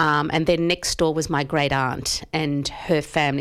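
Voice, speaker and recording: A woman with an Australian accent and a fairly low pitch is heard in a very clean recording with a silent background. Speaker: novelist. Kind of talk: interview.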